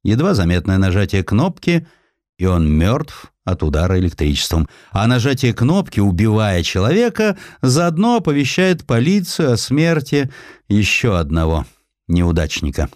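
A man's voice: on the low side, sing-song, normal speed, darkish tone, no room sound, clean studio sound. A man voicing a brooding, disillusioned male inventor with morbid, grand schemes. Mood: brooding, solemn.

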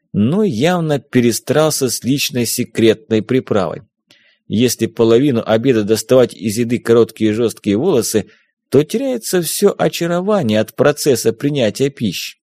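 A man reads an audiobook with expressive storytelling, his pitch rising and falling widely through each sentence. The voice sits mid-range, and the recording is dry and close, with no room echo. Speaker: audiobook narrator. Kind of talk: scripted narration.

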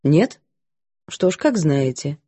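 A woman voicing a composed, firm governess who speaks calmly and evenly, a little lower. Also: husky, no room sound, full character voice. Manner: calm, measured, composed. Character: calm, firm older English governess.

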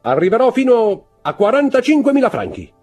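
A man voicing a shrewd, calculating male jeweller who speaks calmly and coolly in an audiobook. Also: medium pitch, brisk, husky, faint music behind, pitched above the performer's own voice. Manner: calm, cool, calculating, sometimes murmuring.

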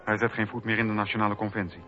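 A man's voice: fairly low pitch, little pitch movement, rapid-fire. A man narrating history from a script for a documentary radio play. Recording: dull radio recording with faint music.

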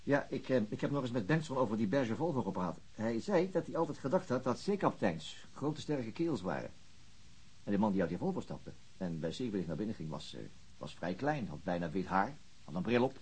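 A man's voice: on the low side, big pitch swings, brisk, darkish tone, husky. An actor playing a methodical, slightly weary police detective in a radio drama, hesitating as he thinks aloud. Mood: subdued, doubtful. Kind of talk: naturalistic radio drama acting.

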